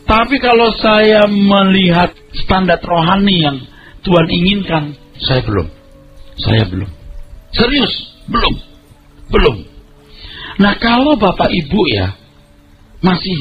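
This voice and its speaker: Emphatic preaching man, lo-fi sound. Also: a little high. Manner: emphatic, conversational preaching with colloquial asides. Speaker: pastor. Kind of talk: sermon. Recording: dull lo-fi audio with music behind. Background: background music.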